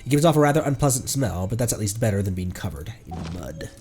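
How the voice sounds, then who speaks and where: A man's voice: on the low side, lively intonation, fast talker, a little mellow. A man commentating live on a game he plays and reading its text aloud, in a playful, exclaiming manner. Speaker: game streamer. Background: music.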